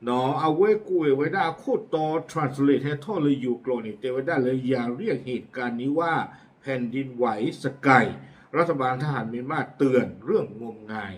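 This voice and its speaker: A man's voice: medium pitch, moderate pace, slight background noise. A man presenting community news in a casual, chatty way, with frequent fillers and asides. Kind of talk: casual spoken news commentary.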